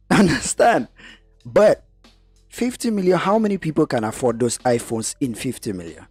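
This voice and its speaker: A man from Cameroon talking about his business in a podcast conversation, getting animated when he stresses a point. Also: medium pitch, normal speed, husky, faint music behind. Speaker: guest investor.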